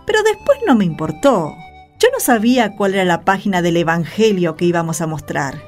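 A woman's voice: on the low side, very animated, a little fast. An Argentine woman speaking colloquially as a guest in a conversational radio segment. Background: music.

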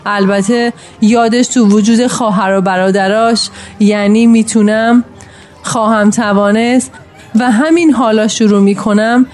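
A man's voice: sits high, steady tone, darkish tone, voice pushed up, close to an everyday voice. A man voicing a female schoolteacher who leads her class with a firm, solemn manner. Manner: solemn speechmaking.

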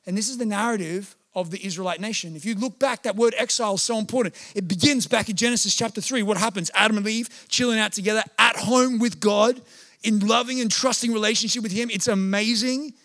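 A man preaches from the pulpit in a high, light voice. He keeps it lively, jumping into playful quoted voices before dropping into slow, earnest stretches. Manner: animated, acts out voices and quotes. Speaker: pastor. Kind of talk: sermon.

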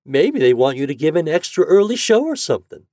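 A devoted, anxious farm mother from a storybook, as a man puts her on. The voice is lifted and lively with a husky edge, and she talks in a fretful, homespun country way. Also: on the high side, moderate pace, dry recording, voice pushed up. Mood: anxious, resolute. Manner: rustic folksy speech, fretful.

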